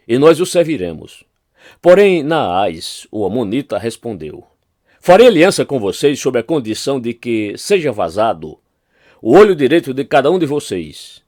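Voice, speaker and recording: A man's voice: medium pitch, darkish tone, no echo, studio quality. A man with a Brazilian Portuguese accent, a pastor reading Bible chapters aloud and lifting his voice for quoted speech.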